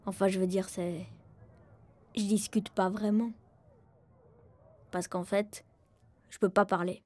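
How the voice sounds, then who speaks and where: A woman's voice: mid-range voice, level tone, slow, mellow, no room sound, natural voice. A woman voicing a wry, self-mocking disabled boy who tells his life casually in a radio drama monologue. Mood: wry, deadpan. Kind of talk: first-person radio fiction monologue, colloquial. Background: music.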